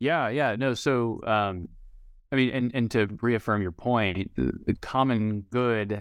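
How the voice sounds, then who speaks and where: This man talks at a fairly slow pace with ordinary pitch variation. The recording is very clean, the background silent. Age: 30s. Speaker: scholar and book editor. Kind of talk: interview. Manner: halting, many fillers and repetitions.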